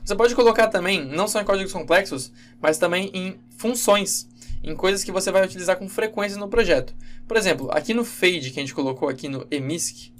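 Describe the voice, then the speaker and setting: A man giving a casual, halting screen-recorded programming lesson, with many fillers and self-corrections. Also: sits high, fairly bright tone, faint music behind. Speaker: game development instructor.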